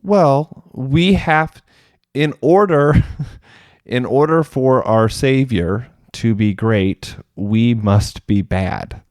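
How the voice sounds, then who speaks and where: A man's voice: medium pitch, extremely slow, darkish tone, no room sound, studio quality. A man co-hosting a podcast as a mental health professional, speaking candidly and self-deprecatingly, thinking aloud with fillers. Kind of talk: casual podcast conversation.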